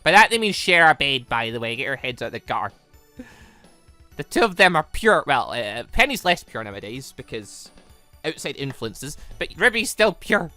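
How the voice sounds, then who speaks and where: A gaming host giving excitable, rambling commentary and reading visual novel dialogue aloud, often repeating words. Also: mid-range voice, moderate pace. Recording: music behind the voice. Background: background music.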